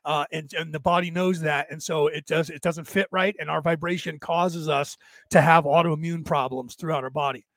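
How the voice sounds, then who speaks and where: A man with a raspy, tired, worn-out voice, talking casually and haltingly as he hosts a rambling livestream and answers listeners. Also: fairly high pitch, steady tone, fairly bright tone, no room sound. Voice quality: raspy, damaged-sounding voice from long-standing vocal cord trouble. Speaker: host of a spiritual talk livestream.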